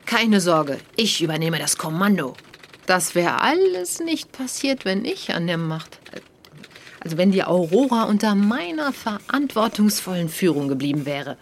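A woman's voice: fairly low pitch, big pitch swings, moderate pace, slight background noise. A woman playing a power-hungry female agent leader in a comedic audio drama, commanding and accusatory.

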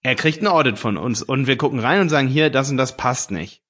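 A man's voice: medium pitch, expressive, fairly quick, a bit bright. A man on a podcast talking casually, explaining his ideas eagerly with hesitant fillers along the way. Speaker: podcast co-host, ads course seller.

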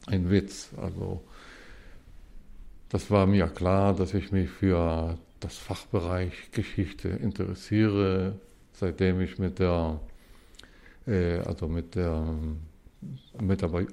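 A man in his seventies from Israel, a historian giving measured explanations as an interview guest. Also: low-pitched, steady tone, vocal fry, warm tone. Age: 70s. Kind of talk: casual interview talk.

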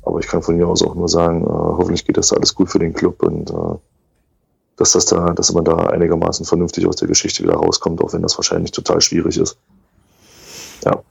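A man co-hosting a casual fan podcast, talking thoughtfully and haltingly with repeated words. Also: low voice, creaky, darkish tone, husky, no echo. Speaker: podcast co-host. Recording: dry, slightly dull sound.

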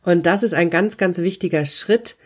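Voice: medium pitch, normal speed, husky. A coach who runs hypnosis sessions gives a self-help talk, speaking straight to the listener in an encouraging, emphatic way with repeated affirmations. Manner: warm, encouraging second-person address with repeated affirmations; emphatic, pointed phrasing.

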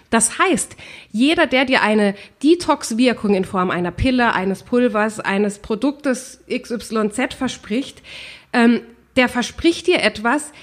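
Woman host with a head cold. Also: on the high side. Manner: opinionated and emphatic. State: has a head cold, runny nose. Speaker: podcast co-host. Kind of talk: casual Q&A podcast talk.

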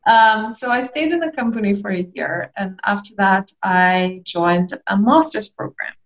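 A woman's voice: medium pitch, measured pace, poor audio. A young woman from Lithuania, a guest in a candid interview, talking reflectively with hesitant restarts and small laughs.

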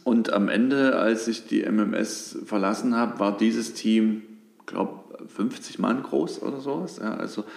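A man's voice: fairly low pitch, measured pace, vocal fry, roomy sound. A man in his thirties from Dresden, a company director answering interview questions thoughtfully with frequent fillers. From Dresden, Germany. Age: 30s. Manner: thoughtful, many fillers and restarts, lively when animated. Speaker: guest, company managing director.

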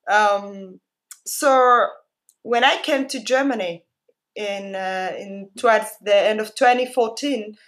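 Here the guest speaker, a woman with an East African accent who was born in Somalia and grew up in Kenya, talks slowly in a mid-range, fairly bright voice. Her personal talk is emphatic and heartfelt, with frequent repetition for emphasis.

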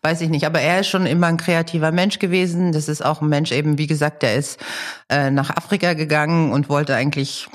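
Candid low-voiced middle-aged woman. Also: fairly even intonation, brisk. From born in Liberia, raised in southern Germany from age seven. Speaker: interview guest, art director and stylist. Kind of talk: reflective conversational interview, personal storytelling.

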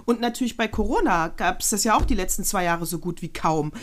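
A woman's voice: medium pitch, animated, brisk. A middle-aged woman co-hosting a podcast, chatting casually and telling rambling anecdotes full of restarts. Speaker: podcast co-host. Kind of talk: casual chat.

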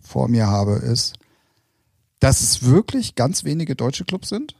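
Gravelly man chatting. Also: medium pitch, takes it slowly, no room sound, studio quality. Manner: relaxed, hesitant, many fillers, laughs easily. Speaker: podcast co-host. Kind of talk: casual chat.

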